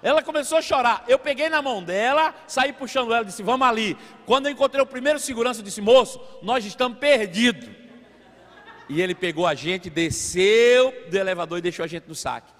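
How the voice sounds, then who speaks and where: A man preaching a sermon as a pastor, telling a family story with animated acted-out voices. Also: extremely high pitch, fast, few pauses. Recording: long hall reverb.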